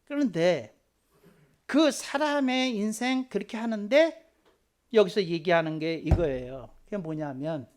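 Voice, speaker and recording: A man preaching a short children's sermon as a pastor, talking conversationally, repeating key phrases and swinging into loud, emphatic bursts. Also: sits high, animated, a little slow.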